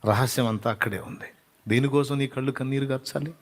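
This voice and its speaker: A man's voice: mid-range voice, quick pace, big-room sound. A male preacher giving a devotional sermon, fervently pleading in prayer to God. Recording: clear background music under the voice.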